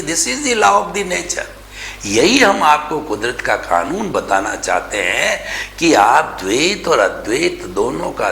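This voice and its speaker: Male spiritual teacher, slow and emphatic, lots of rhetorical questions, echoey room, faint background noise. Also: mid-range voice, vocal fry, pushed and bright. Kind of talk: spiritual discourse.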